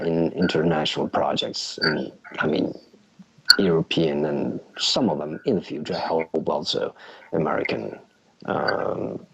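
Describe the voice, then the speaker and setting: A middle-aged man speaks slowly and haltingly in a fairly low voice, often restarting as he searches for words. His voice comes through a muffled remote call with a faint hiss underneath. He sounds like a guest answering interview questions. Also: vocal fry. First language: Albanian.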